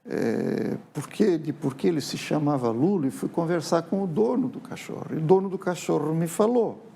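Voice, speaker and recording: Gravelly, mellow-voiced man. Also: on the high side, animated, moderate pace. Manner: reflective, with frequent tag questions. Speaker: writer and guest. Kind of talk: casual TV interview storytelling. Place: TV studio.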